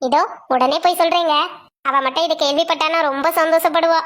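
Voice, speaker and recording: A woman voicing a practical, sharp-tongued middle-aged wife who coaxes and teases her husband. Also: very high-pitched, fairly even intonation, a little fast. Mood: coaxing. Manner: coaxing then teasing. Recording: soft music underneath.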